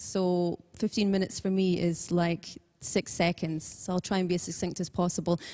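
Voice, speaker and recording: A woman with a Scottish accent talks at a medium pitch and a fairly slow pace. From Scotland. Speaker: wellness entrepreneur and radio host. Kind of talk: conference presentation; guided breathing exercise. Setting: online forum. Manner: animated.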